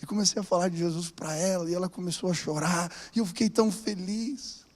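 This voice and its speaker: Male pastor, high voice, animated storytelling sermon turning fervent, long hall reverb. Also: fairly quick. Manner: animated, rising to fervent exhortation.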